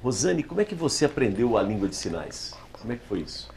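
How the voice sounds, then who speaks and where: A middle-aged man hosting a TV talk show, lively and affirming as he steers the conversation, in a studio on a lapel mic. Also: medium pitch, quick pace.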